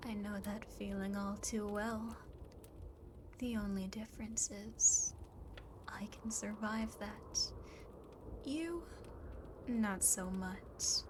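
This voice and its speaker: A woman's voice: mid-range voice, slow, pauses often, background noise, natural voice. A woman voicing a lonely, possessive demon girl in an ASMR roleplay, often dropping into a whisper, coaxing and condescending as she speaks to the listener. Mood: taunting, menacing. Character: lonely possessive demon girl, coolly teasing, faintly menacing.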